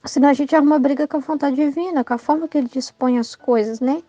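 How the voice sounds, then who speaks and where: A Brazilian woman with a high, mellow voice gives informal Catholic teaching, keeping it conversational and tagging her points with "né?". The sound is dry and a little dull, as if from a modest mic. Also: quick pace, dry recording, faint music behind. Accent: Brazilian Portuguese. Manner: conversational, keeps adding "né?", acts out quoted thoughts.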